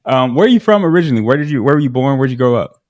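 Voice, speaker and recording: A man's voice: medium pitch, animated, racing, a little mellow. Chatty man hosting a pregame show. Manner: chatty, informal, stacks follow-up questions. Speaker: sports radio host.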